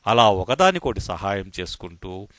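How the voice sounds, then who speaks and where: A man narrating a children's moral story as an expressive storyteller with swooping emphasis. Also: fairly low pitch, moderate pace.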